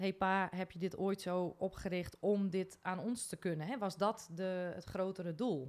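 In a plain, everyday voice, a woman of medium pitch speaks at a fairly slow pace with hardly any pauses. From Friesland, Netherlands (Oude Haske). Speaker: commercial director of family business. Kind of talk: interview.

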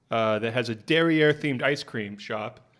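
Someone with an American accent speaks at a fairly slow pace, with ordinary pitch variation. The recording is very clean, and the background is silent. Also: man. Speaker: comedy podcast co-host. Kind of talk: casual comedic chat. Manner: animated.

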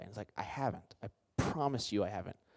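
Talking at a very fast pace with an American accent, a man has a medium pitch, ordinary pitch variation, and a dark, mellow tone. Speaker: preacher. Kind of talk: sermon. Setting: church. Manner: animated.

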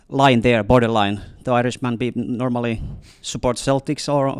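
With a Finnish accent, a man speaks at a fairly quick pace and medium pitch. His intonation is fairly even, and the sound is dry and close with no echo. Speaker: podcast host. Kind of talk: interview. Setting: video call.

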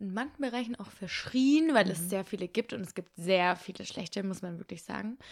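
This is a woman speaking. She has a normal speaking voice. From Baden-Württemberg, near Stuttgart, later Bavaria. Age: 20s. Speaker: entrepreneur. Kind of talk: casual chat.

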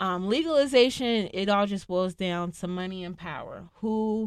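A woman with a plain, everyday voice speaks at a moderate pace with ordinary pitch variation, in a dry, close sound with no echo and a very clean recording with a silent background. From Washington DC / Maryland area. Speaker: cannabis activist. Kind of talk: interview.

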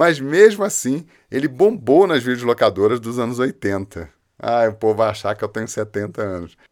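In a very clean recording with a silent background, a man with a Brazilian accent talks at a moderate pace with lively intonation. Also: medium pitch for a man. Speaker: podcast host, leadership coach. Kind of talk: podcast monologue, storytelling. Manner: animated.

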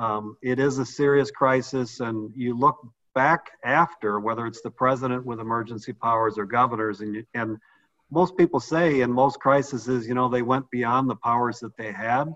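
A man in an unremarkable speaking voice talks at a moderate pace with fairly even intonation, the sound dry and close with no echo. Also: medium pitch for a man. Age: 60s. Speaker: state senate majority leader. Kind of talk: political interview. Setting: video call from his kitchen table.

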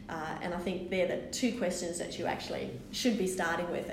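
Someone with an Australian accent talks at a moderate pace with fairly even intonation. Audible room echo and noticeable background noise are present. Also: woman. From Australia (Canberra). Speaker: impact investment executive. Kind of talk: interview.

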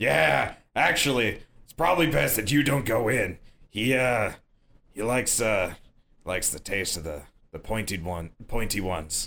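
Putting on a character voice, a man speaks fairly slowly and fairly low, with long, frequent pauses, on a very clean recording with a silent background. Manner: friendly, simple, chummy.

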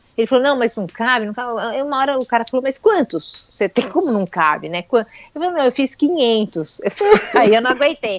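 A woman's high voice with very wide pitch swings, its sound dry and close with no echo. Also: moderate pace. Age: 50s. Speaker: long-distance hiker. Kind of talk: interview about her adventure. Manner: halting with repetitions.

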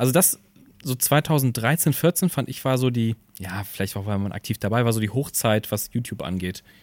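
Speech at a moderate pace, captured in a very clean recording against a silent background. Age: 20s. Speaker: YouTube channel member. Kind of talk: casual chat.

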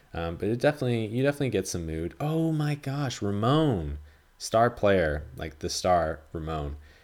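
A man's fairly low voice at a moderate pace, with very wide pitch swings, on a very clean recording with a silent background. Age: 20s. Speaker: podcast host. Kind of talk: casual solo review. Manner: rambling with fillers.

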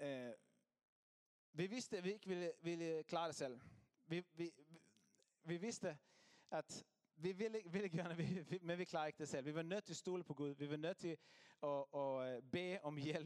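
A man with a Swedish accent speaks at a fairly slow pace, high-pitched with ordinary pitch variation. His speech has long, frequent pauses, and the sound is dry and close with no echo. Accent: Swedish accent in Danish. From Sweden. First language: Swedish (speaking Danish). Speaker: pastor. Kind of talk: sermon. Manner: halting.

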